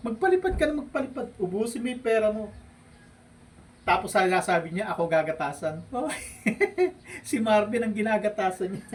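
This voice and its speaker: A man from the Philippines taunts a rival in a mocking vlog rant, laughing and humming as he goes. He sits well back from the microphone. A faint noise runs under his voice. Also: very high voice. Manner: mocking, provoking, with frequent laughs and drawn-out hums. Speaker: vlogger. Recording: distant mic with faint background noise.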